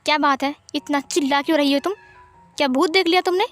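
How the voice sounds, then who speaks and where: A woman voicing a stern, irritable aunt who scolds and nags with sharp questions, in a storybook reading. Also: high voice, normal speed, soft background music, close to an everyday voice. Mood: scolding.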